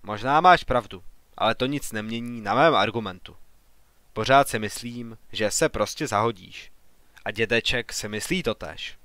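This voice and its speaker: A man's voice: lowish voice, fairly bright tone, no room sound, natural voice. A man voicing a proud, dismissive older artist who scolds his son in an audiobook. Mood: scornful. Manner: scornful, gruff.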